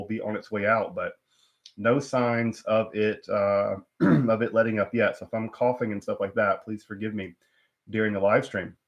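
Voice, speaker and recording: A man hosting his own live stream talks casually in a fairly low voice, rambling with many fillers and restarts while stuffed up with a cold. The audio sounds dull.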